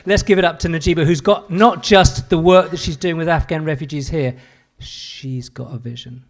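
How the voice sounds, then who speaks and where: A man hosting an event, introducing the next speaker in an energetic, emphatic way. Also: on the high side, moderate pace. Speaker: program host.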